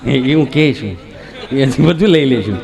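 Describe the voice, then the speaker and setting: A man's voice: mid-range voice, normal speed, gravelly. A man with a Kathiawadi Gujarati accent telling folksy stories on a live stage, acting out the dialogue himself. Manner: folksy, chatty, acts out dialogue. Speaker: stand-up comedian. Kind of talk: live folk comedy storytelling. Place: live stage show with audience. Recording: stage mic with crowd noise.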